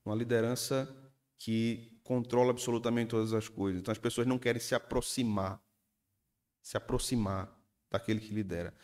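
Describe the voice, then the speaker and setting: A male pastor delivers a sermon at a mid pitch. He tells his stories in a lively, animated way and acts out the people in them. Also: brisk. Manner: animated storytelling, acts out congregants.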